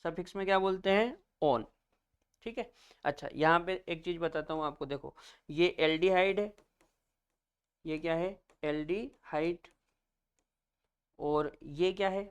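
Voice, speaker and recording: A man's voice: a little high, a little slow, long pauses, clean tone. A male chemistry teacher giving a classroom lecture, naming each term, then asking students to repeat it back, calling them children.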